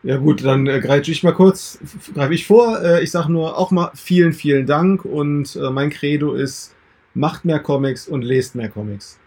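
A man's voice: fairly high pitch, moderate pace, a little mellow. A man chatting casually as a guest and co-interviewer on a podcast.

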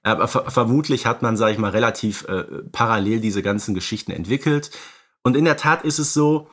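A man's voice: lowish voice, fairly quick, a bit bright. A man co-hosting a podcast, explaining films conversationally and often adding little tag questions. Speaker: podcast co-host. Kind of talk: conversational film analysis.

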